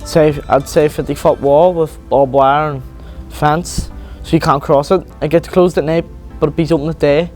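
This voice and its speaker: A man's voice: fairly high pitch, fairly even intonation, moderate pace, hardly any pauses, a little mellow, faint music behind. A young man from Belfast with a Belfast accent, answering interview questions hesitantly with many fillers. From Northern Ireland. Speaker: visiting student interviewee.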